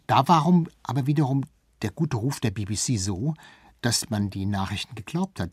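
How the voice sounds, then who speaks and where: A man of medium pitch talks as an expert guest. His voice is somewhat husky and recorded dry. He explains in an anecdotal manner, repeating words for emphasis. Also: darkish tone, dry recording. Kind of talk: explanatory interview talk on history.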